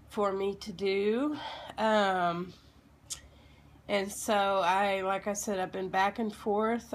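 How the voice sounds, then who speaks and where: A woman in her thirties with a slightly froggy, under-the-weather voice, telling a personal story informally and haltingly, as if to children. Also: mid-range voice. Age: 30s. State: sick with a lingering illness.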